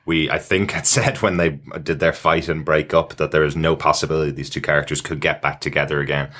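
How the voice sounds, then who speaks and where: A man with a very deep, low voice hosts a casual podcast review chat. He leads the discussion and passes points to his co-hosts. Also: steady tone, fairly quick, a bit bright. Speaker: podcast host.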